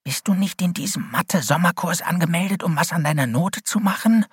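A man's voice: on the high side, brisk, slightly rough, no echo, studio quality, pitched above the performer's own voice. A man voicing a cautious, worried teenage boy who speaks hesitantly and uneasily. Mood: uneasy.

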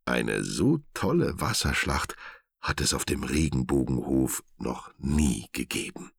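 A man narrating a children's storybook in an animated, expressive way. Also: a bass voice, measured pace, gravelly, slightly rough, no echo.

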